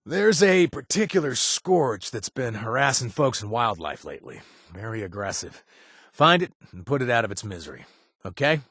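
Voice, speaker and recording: An actor gives a full character voice to a wry, sarcastic young man, a jumpy quest-giving companion in a video game who hands out kill jobs. His mid-range male voice has a breathy edge and normal speed, and his animated, sarcastic delivery is full of hesitant stammers and jokes. The dry studio recording has no room sound.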